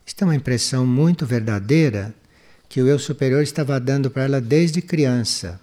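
A man with a Brazilian accent speaks as a spiritual teacher, answering questions in a measured, didactic, explanatory manner. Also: medium pitch, mellow.

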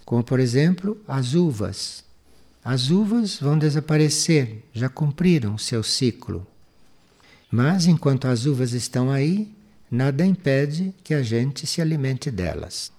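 A Brazilian man speaks in a mid-pitched voice as a spiritual teacher. His delivery is measured and explanatory. He takes questions and answers them in a didactic way, as in a spiritual talk. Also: lively intonation, a little mellow.

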